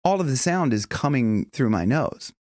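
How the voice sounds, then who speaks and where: A man's voice: mid-range voice, sing-song, normal speed, darkish tone, dry recording, studio quality. A middle-aged man giving an instructional voice lesson as a vocal coach, explaining things step by step. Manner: demonstrates with hums and sung tones. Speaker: vocal coach and professional singer.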